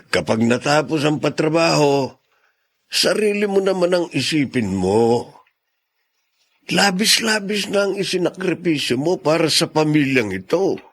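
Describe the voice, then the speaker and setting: A man's voice: a little high, very animated, measured pace. An actor playing a weary disabled older father in a radio drama, speaking in an earnest, pleading, emotional way. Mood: tender concern.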